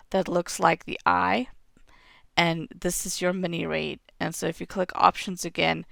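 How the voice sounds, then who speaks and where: Speaking into a headset mic at home, a thirties-aged woman walks viewers through game settings in a steady screen-recorded tutorial, her cough prompting occasional throat-clearing. She has a lowish voice, captured at studio quality without any room sound.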